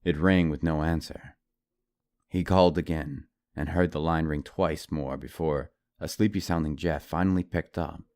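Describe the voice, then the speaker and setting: A man reads a horror story as a dramatic audiobook narrator. His voice is very deep and dark, set over background music. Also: steady tone, moderate pace.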